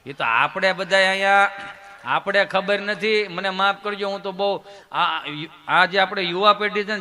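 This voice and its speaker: A man doing stand-up storytelling on stage, animated, swinging from soft asides to loud outbursts and calling the audience sir. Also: high-pitched. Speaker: stand-up comedian.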